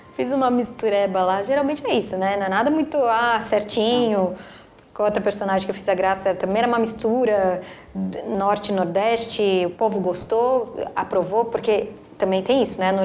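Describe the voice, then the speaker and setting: A woman with an unremarkable speaking voice, medium in pitch, at a moderate pace with ordinary pitch variation. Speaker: stage actress. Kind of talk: interview conversation.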